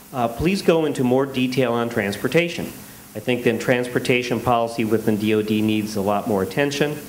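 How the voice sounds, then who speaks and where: A man's voice: mid-range voice, slight background noise, rough recording. A man moderating a panel discussion, reading out audience questions with casual fillers.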